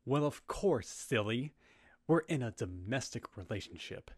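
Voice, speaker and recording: A man's voice: medium pitch, animated, a little slow, slightly rough, dry recording, clean studio sound. An actor playing a matter-of-fact young stallion father in a fan radio drama.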